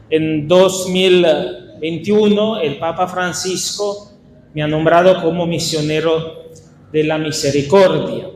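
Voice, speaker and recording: A priest with an Italian accent gives a workshop in a high, light voice. He speaks unhurriedly and pauses to restart his phrases. The sound rings with a long reverb through a large hall, with a faint hum of room noise beneath. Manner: unhurried, halting, with small restarts and filler. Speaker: Franciscan priest leading a catechist workshop. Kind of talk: workshop talk to catechists. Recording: echoey hall with faint ambience.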